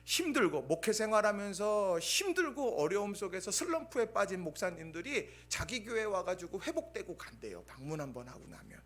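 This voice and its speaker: A male pastor preaching a Sunday sermon, telling stories with acted-out dialogue and swings between loud bursts and hushed asides. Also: high-pitched, brisk, few pauses. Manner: animated storytelling, acting out quoted dialogue.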